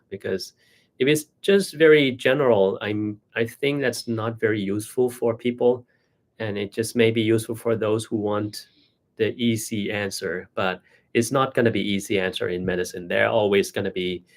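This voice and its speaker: Man, low voice, Thai accent, doctor host, casual explanatory chat. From Thailand. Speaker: doctor and live-stream host.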